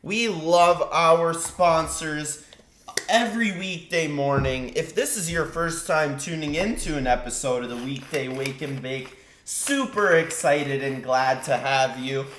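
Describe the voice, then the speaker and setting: Laid-back cursing morning show host. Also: male voice, a little high, measured pace, a bit bright, slight background noise. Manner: laid-back, swears casually. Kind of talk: casual morning show chat. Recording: echoey room.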